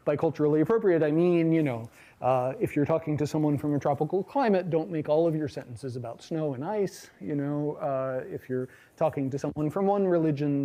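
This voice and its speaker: A middle-aged man giving a university lecture in a large hall, talking in a relaxed, chatty way with many fillers and asides. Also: medium pitch. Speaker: linguistics lecturer.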